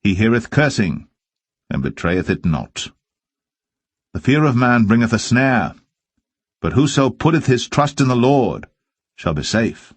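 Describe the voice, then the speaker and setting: A man giving a solemn, measured reading of old-fashioned Bible verse as a scripture reader. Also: medium pitch, very animated, husky, dry recording. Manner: measured, deliberate phrasing.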